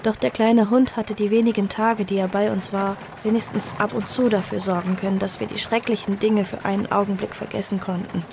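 A woman playing a young survivor who tells her own story in an audio drama, earnest, sorrowful and measured. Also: medium pitch, flat delivery, vocal fry, noisy background, natural voice. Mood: measured, wistful. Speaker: narrator and protagonist. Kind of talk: audio drama first-person narration.

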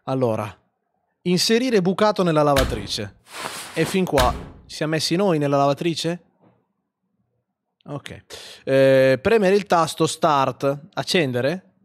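A man's voice: fairly high pitch, slow pace. A man streaming a game live, commenting sarcastically, swearing and mocking what he plays.

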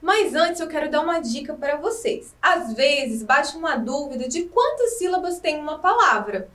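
A woman teacher giving a recorded lesson to young children. She talks slowly and clearly and keeps asking the pupils questions. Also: sits high, sing-song, a bit bright, far from the mic. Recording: echoey room, voice from off the mic.

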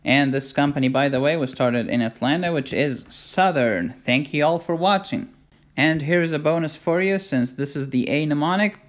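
A man from Egypt with an Egyptian accent, teaching a medical lecture as a voice-over and making his points with jokes and rhetorical questions. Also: fairly high pitch. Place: voice-over recorded for a drawn lecture video.

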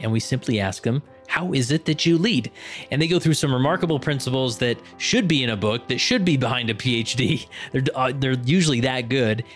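An upbeat male podcast host chatting at an ordinary middle pitch, full of little fillers and restarts. Faint music plays softly behind him. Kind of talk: casual interview and scripted promo read.

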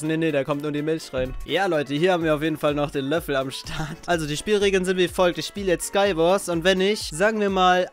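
A young man chatting casually to his viewers as a gaming YouTuber. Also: on the high side. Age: teenager to young adult. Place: small attic bedroom. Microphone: microphone on boom arm.

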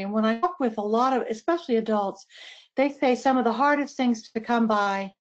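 A middle-aged woman presenting a webinar, chatty and friendly, dropping casual asides as she goes. Her voice sits a little high. The audio is dull and lo-fi. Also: darkish tone. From West Virginia, raised in Ohio. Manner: friendly, conversational, with asides and fillers.

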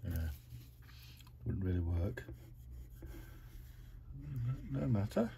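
Speaking extremely slowly in a low, gravelly voice, a British man chats through a card-making tutorial at his craft desk, easygoing and self-mocking as he narrates each step. Slight background noise can be heard.

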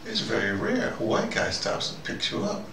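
A man hosting an informal monologue, telling anecdotes in a halting, digressive way and acting out both sides of exchanges. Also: fairly low pitch, very animated, creaky. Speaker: host of a recurring spoken dispatch. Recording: noisy, roomy recording, distant from mic.

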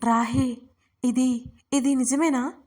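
A woman's voice: a little high, steady tone, fairly quick, lightly acted. A woman narrator voicing a distraught young woman who pleads with and scolds her friend through tears. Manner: tearful, pleading, shouting.

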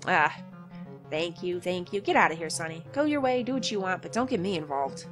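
A woman voicing a grumpy old male jeweler in a video game, talking gruffly and calling the hero "sonny". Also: lowish voice, animated, brisk, over music, close to an everyday voice. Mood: dismissive. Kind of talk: reading game dialogue aloud.

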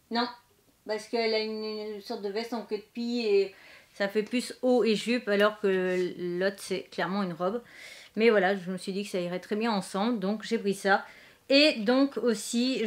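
A young woman with a French accent, chatting casually in a haul vlog from her bedroom, rambling with lots of fillers. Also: medium pitch. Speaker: vlogger. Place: bedroom in front of a bookshelf.

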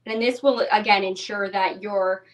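A woman's voice: medium pitch, steady tone, moderate pace, a little hiss or hum. Young woman doing a live cooking demo at home, chatty, lots of likes, mic kinda distant. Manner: bubbly, chatty, many "like" fillers. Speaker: cookbook author demonstrating a recipe. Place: home kitchen, indoors. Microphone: video call webcam at a distance.

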